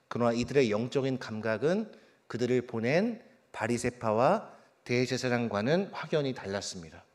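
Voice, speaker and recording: A male pastor preaching a sermon. He asks the congregation questions, reads scripture aloud with a raised voice, and lets his phrase endings fall soft. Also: mid-range voice. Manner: slows and drops soft at phrase ends.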